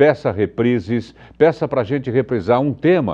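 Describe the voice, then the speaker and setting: Over a quiet background, a man's voice shows vocal fry and very wide pitch swings. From Brazil. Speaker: TV talk show host. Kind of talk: TV interview. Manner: animated. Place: studio. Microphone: lapel.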